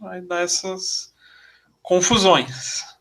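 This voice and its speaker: A man's voice sits high in pitch, with a bright, sharp tone. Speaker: teacher. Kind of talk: lecture. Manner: casual, joking.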